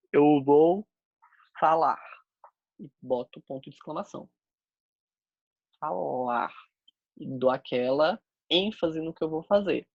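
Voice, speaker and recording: A man's voice: fairly high pitch, gravelly, a little mellow, no echo, lo-fi sound. A man teaching a sign language class, explaining step by step as he demonstrates the signs.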